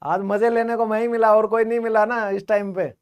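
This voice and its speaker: A man's voice: high voice, level tone, brisk, smooth. Chatty male teacher quizzing his class. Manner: chatty, keeps asking the class questions. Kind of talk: online grammar class.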